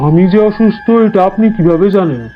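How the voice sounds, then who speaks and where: A man's voice: high-pitched, a little fast, narrow, tinny audio, faint music behind, natural voice. A man playing an anxious, polite father in a cartoon, urgent and with a Bangladeshi accent. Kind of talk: cartoon dub.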